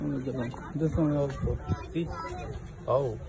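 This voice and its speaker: A young man with a South Asian accent and Hindi-Urdu as his native language talks in a chatty, casual vlog style. His voice sits at a medium pitch. The recording is made outdoors on a phone, with clear background noise. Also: fairly even intonation, unhurried, a crowd in the background. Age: young adult. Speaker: vlogger. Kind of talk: casual zoo vlog chat. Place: outdoor zoo.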